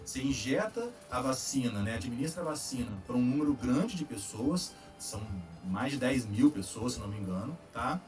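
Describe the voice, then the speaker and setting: A man with a Brazilian Portuguese accent hosting a casual chat, explaining vaccine trials in a relaxed, slangy way with frequent tag questions. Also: medium pitch, normal speed, hardly any pauses, recorded from a distance, soft background music. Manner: relaxed, slangy, lots of "tá?" tags. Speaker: host answering viewer questions on vaccines.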